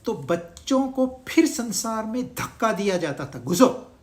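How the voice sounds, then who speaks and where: Slow, animated spiritual teacher. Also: medium pitch. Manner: asks the listeners rhetorical questions; mixes in English words. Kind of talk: Hindi discourse on scripture.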